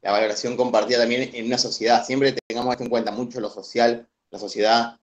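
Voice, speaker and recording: A man's voice: mid-range voice, flat delivery, fast talker. A young man with an Argentine accent explaining a reading to classmates over a video call, hesitant, with many fillers and restarts. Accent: Argentine Spanish. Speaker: student presenter. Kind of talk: online study session explanation. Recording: dull lo-fi video call audio.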